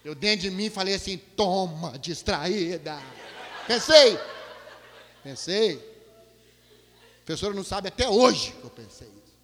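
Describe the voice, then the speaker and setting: A male pastor telling a story in a sermon, animated, swinging from loud bursts to hushed low tones. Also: quick pace, a little hiss or hum. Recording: long hall reverb.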